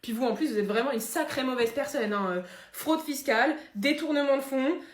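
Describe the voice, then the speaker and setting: A woman's voice: high voice, brisk, roomy sound, lightly acted. A woman voicing a blunt, sarcastic receptionist at the gates of heaven. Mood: scolding.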